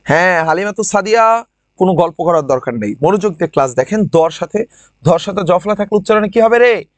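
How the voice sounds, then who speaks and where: High-voiced young man tutoring in Bangla. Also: lively intonation, dry recording. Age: young adult. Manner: repeats questions and answers, drawing out example words slowly; addresses students by name from live comments. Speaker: online Bangla grammar tutor. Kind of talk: live online class, explaining rules and quizzing students.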